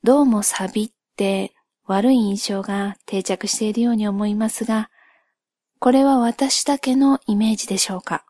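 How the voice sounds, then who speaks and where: A woman speaking softly in a gentle, polite and measured way, as in a calm ASMR-like explanatory monologue by a solo host. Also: mid-range voice, dry recording, clean studio sound. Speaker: host of a solo spoken channel.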